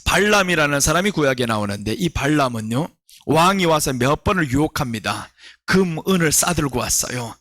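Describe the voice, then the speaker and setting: Lively, bright-voiced male preacher. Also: on the high side, a little fast, no echo, clean studio sound. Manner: animated storytelling, acting out biblical characters' voices. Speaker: pastor. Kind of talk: sermon.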